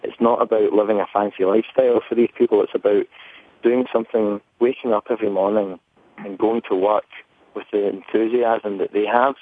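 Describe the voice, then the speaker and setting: A man's voice: lowish voice, fairly even intonation, fairly quick. A man with a broad Scottish accent, talking earnestly as a guest in a conversational radio interview. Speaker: interview guest, brand representative. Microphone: telephone. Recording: narrow, tinny phone line.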